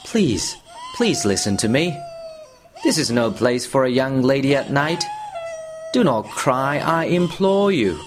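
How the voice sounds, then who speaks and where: A man's voice: medium pitch, very animated, measured pace, noisy background. A man voicing a frightened traveler in a spooky storybook reading, pleading and panting in terror. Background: music.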